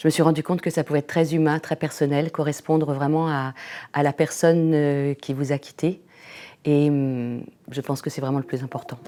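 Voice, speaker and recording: Speaking at a moderate pace, a woman has a very deep, low voice with a dark, mellow tone and a monotone, flat delivery. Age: 60s. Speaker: bereaved daughter, retired childminder. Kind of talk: testimony. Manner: halting, many hesitations.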